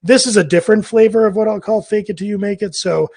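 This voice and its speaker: Scratchy, hoarse man musing aloud. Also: high voice, steady tone, fast talker, a little mellow. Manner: rambling, thinking aloud with frequent self-corrections. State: hoarse, recovering from laryngitis. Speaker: freelance business advice host. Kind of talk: casual advice monologue.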